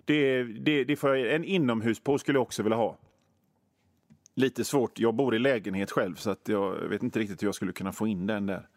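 A man's voice: fairly low pitch, no echo, studio quality. Rambling male radio host. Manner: rambling, self-mocking, many fillers and restarts. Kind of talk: comic radio monologue.

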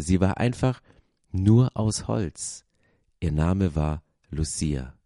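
A man with a low, mellow voice reads a children's story aloud. He tells it expressively, as a pastor would to listeners. The recording is close and dry. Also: no room sound.

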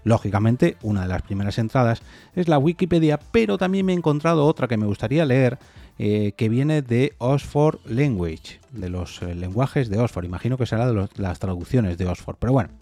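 A man's voice: mid-range voice, lively intonation, brisk, mellow, dry recording. A man hosting a solo opinion podcast, reading definitions aloud and talking them through informally. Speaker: podcast host.

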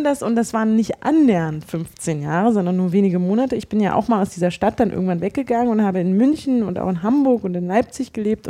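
Berlin woman co-host, warm low-lit tone, loose rambling chat with restarts. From Berlin, Germany. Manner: rambling, many restarts and fillers. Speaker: podcast co-host. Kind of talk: casual chat.

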